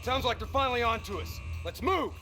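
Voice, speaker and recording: A man's voice: very high-pitched, lively intonation, a little fast, background noise. An actor playing a blunt male special forces commando in a game cutscene, talking in terse, clipped commands. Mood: clipped orders. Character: blunt tough male commando, gruff humor. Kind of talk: video game cutscene acting.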